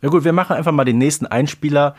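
A man's voice: fairly high pitch, racing, a little mellow. A man hosting a podcast in casual chat, with many fillers. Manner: chatty, frequent fillers. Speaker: podcast host. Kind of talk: casual chat about a radio play.

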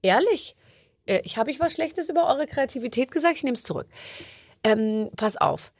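A woman's voice: high-pitched, animated, moderate pace, no room sound, clean studio sound. A woman hosting a podcast, leading a casual chat with playful, teasing jokes. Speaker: podcast host.

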